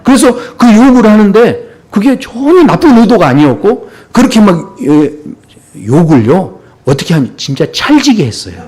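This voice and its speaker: A male pastor delivering a Sunday sermon with a lively, swinging pitch and a voice that sits a little high for a man. He talks conversationally and with humor, often pausing for short asides to the congregation. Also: slightly rough.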